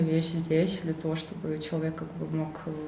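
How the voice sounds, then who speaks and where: A woman with a Russian accent talks at a moderate pace. The room echoes audibly, and background noise is noticeable. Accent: Russian accent in Czech. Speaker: frontend programmer. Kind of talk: interview.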